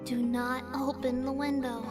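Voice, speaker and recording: A woman's voice: high voice, little pitch movement, unhurried. A woman voicing a frightened young female pony in a horror audio story. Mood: fearful warning. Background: background music.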